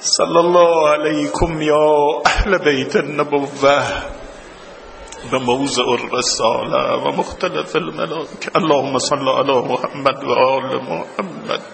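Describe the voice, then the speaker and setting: A man's voice: on the high side, fairly even intonation, gravelly, fairly bright tone. A man preaching a mourning sermon and leading prayers, rising into a wailing chant. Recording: long hall reverb, faint ambience.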